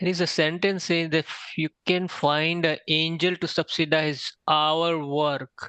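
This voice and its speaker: The speaker talks at a fairly slow pace in an Indian accent. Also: quiet background. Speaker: group participant. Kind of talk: question in group discussion. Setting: video call.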